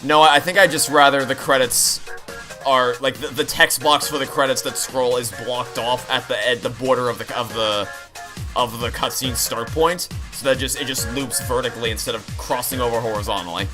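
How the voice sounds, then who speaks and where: A man's voice: medium pitch, steady tone, moderate pace. Rambling man streaming over game music. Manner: rambling, repeats and restarts phrases. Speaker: video game streamer and host. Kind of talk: casual live playthrough commentary, chatting with viewers. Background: video game song playing behind the voice.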